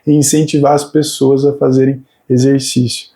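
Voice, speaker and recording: Mellow-voiced coach, earnest. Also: male voice, mid-range voice, level tone, normal speed. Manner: earnest, hesitant restarts. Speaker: fitness coach and PhD student guest. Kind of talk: casual interview chat.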